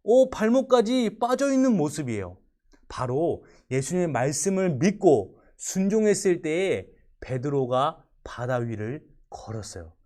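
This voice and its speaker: A man giving a children's sermon like a kindergarten teacher, telling stories in simple, expressive language for young listeners. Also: on the high side, a little slow. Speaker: children's Sunday school preacher.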